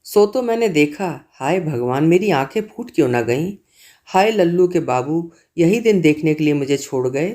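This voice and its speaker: A man voicing an older mother in a storybook reading who wails and curses in outrage, her voice shrill and theatrical. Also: animated, moderate pace, mellow. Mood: wailing. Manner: shrill, hysterical, theatrical lament.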